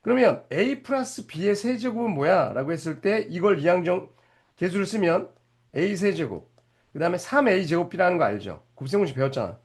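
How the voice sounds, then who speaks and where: A male math teacher giving a lively lecture, explaining step by step and often stopping to ask whether the students are following. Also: high-pitched, normal speed, slightly rough. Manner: animated, keeps checking if students follow; explains step by step with rhetorical questions.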